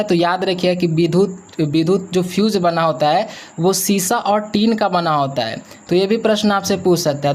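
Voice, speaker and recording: A young man teaches as an exam coach, going through questions and answers with repetitive, emphatic explanation. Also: high-pitched.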